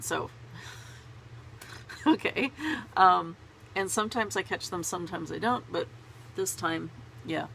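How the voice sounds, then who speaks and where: Woman vlogger with a head cold: bright, gravelly, stuffy-nosed, rambling and laughing at herself. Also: fairly low pitch, slight background noise, low-quality recording. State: congested with a cold. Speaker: knitting vlogger. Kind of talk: casual chat to camera. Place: small home closet.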